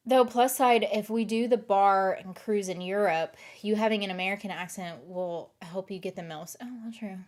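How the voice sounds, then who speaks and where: A woman's voice: mid-range voice, moderate pace, few pauses, darkish tone. A woman with a light Southern accent, chatting casually with her stream viewers in a rambling, giggly way. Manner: rambling, giggly, restarts and overthinks aloud. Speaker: live streamer.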